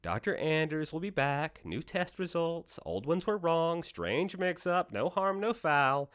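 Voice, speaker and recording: Male actor as devilish deal maker, swooping pitch, sardonic, persuasive, theatrical, radio drama. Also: very animated, unhurried, a bit bright, clear, resonant tone. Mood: smug. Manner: persuasive, sardonic, mock-folksy speechifying. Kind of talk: radio play acting.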